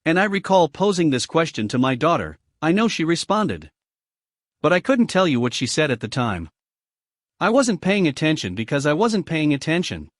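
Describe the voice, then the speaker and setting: A man with a Greek accent reads a self-help audiobook in a lively, expressive way, often addressing the listener with questions. His voice sits a little high and moves a lot. The recording is close and dry, with no room sound. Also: dry recording. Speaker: audiobook narrator.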